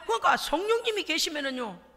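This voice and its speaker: A middle-aged woman pastor preaching in a church, swinging between hushed asides and sobbing shouts as she acts out her prayers. Her voice is high and very lively, and it rings out with a long hall reverb. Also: a little fast, vocal fry. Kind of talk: animated sermon. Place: church sanctuary.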